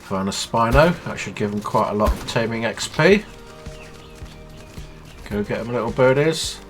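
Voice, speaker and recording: A man with a stuffy nose from a cold, explaining a video game in a chatty, low-key tutorial. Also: animated, normal speed, soft background music. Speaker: gaming channel host.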